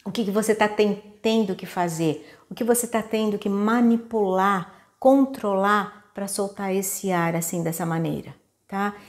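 A woman's voice: mid-range voice, unhurried. A Brazilian woman singing teacher giving a patient, step-by-step lesson on breathing, often checking in with her students. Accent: Brazilian Portuguese. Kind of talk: vocal lesson with demonstrations.

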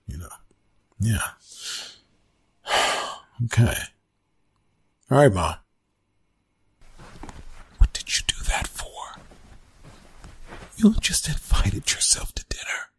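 A man playing a flustered, awkward young college bully in a one-sided ASMR roleplay, stammering and evasive, with a husky, gravelly voice. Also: lowish voice, dry recording, full character voice. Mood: hushed, annoyed. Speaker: roleplay audio performer.

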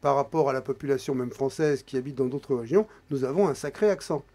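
A man in his forties, a guest in a radio studio, explaining at a measured, hesitant pace and often trailing off quietly. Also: mid-range voice. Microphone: studio microphone, wearing headphones.

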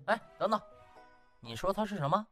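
A man's voice: high-pitched, big pitch swings, normal speed, a bit bright, soft background music, pitched above the performer's own voice. A man voicing a smug, brash young male doctor who gloats and chuckles with fake friendliness in a comic audiobook. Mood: smug, mocking. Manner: gloating, chuckling, exaggerated exclamations. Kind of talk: comic audiobook character acting.

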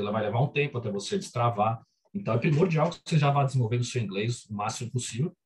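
A Brazilian doctor in casual chat, telling stories animatedly and acting out his own quotes, over a video call. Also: medium pitch. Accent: Brazilian Portuguese. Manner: animated, quick storytelling with acted-out quotes. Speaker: guest doctor working abroad.

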